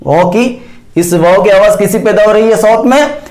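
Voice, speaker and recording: A middle-aged man from Karnataka, India, teaching an Urdu grammar lesson, slowly repeating example words to show how they are pronounced while he writes on a board. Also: sits high, darkish tone. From Bijapur, Karnataka, India. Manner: slow, deliberate, repeats example words for pronunciation.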